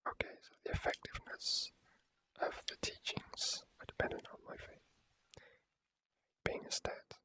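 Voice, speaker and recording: Whispering ASMR gamer, very close and soft. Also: a little slow, pauses often, rough recording. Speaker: video game streamer. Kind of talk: whispered ASMR gameplay commentary.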